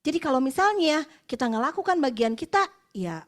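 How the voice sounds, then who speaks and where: Her voice sitting high and a little fast, a West Javanese woman in her forties gives a personal testimony sermon at an office worship meeting. She speaks chattily and expressively, tossing in English phrases and laughing between points.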